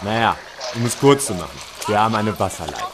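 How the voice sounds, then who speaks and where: A man's voice: lowish voice, very animated, brisk, noisy background. A man playing a matter-of-fact, dryly witty police officer in a crime audio drama.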